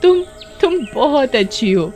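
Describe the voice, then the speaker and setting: एक औरत बच्चों की कहानी में गांव की एक भोली जवान लड़की की आवाज़ कर रही है, जो भावुक होकर बोलती है और डरने पर हकलाती है।. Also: female voice, mid-range voice, moderate pace, faint music behind, pitched above the performer's own voice, natural voice. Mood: excited. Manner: tearful, stammering when scared. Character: sad young village girl teased for her hair. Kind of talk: children's storybook voice acting.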